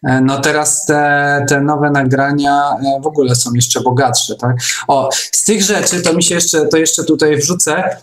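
A man with a somewhat high-pitched voice hosts an online chat. He explains things informally, halting and repeating words as he goes. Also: fairly even intonation, roomy sound. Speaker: host of online meeting. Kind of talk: casual conversational explaining.

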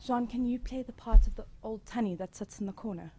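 A woman's voice: a little high, a little fast, warm tone, slight background noise. A woman speaking as a director, giving a live spoken introduction to an audience.

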